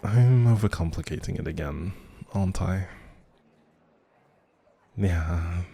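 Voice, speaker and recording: A man acting as a kind, socially anxious male stranger in an intimate audio roleplay. His voice is very low and mellow, with a gravelly creak underneath. He rambles softly and hesitantly, second-guessing himself as he goes. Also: takes it slowly, heavily acted. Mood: pensive, unsure. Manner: hesitant, rambling, self-doubting, soft chuckles.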